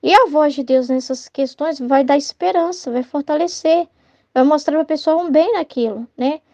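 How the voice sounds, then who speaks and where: A woman with a Brazilian accent teaches a faith study in a loose, chatty way, often checking in with her listeners. Her voice sits high but soft and mellow. The recording is dull and lo-fi, with a dry, close sound. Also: moderate pace, no room sound. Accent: Brazilian Portuguese. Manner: chatty, tags sentences with "né?", acts out everyday dialogue. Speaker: religious study teacher and child tutor. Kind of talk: informal devotional study talk.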